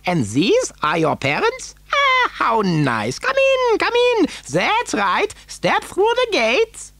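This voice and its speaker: A man voicing an excitable, effusive, eccentric old chocolate factory owner in a storybook reading, fussy and full of repeated exclamations. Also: very high voice, slow, no echo, voice pushed up, heavily acted. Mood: gushing delight.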